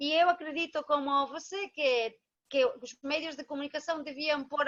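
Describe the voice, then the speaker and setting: Projecting a raised voice in a Spanish accent, a woman speaks at a high pitch and a fairly slow pace with a bright, sharp tone. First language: Spanish (speaking Portuguese). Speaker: artist. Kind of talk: online debate.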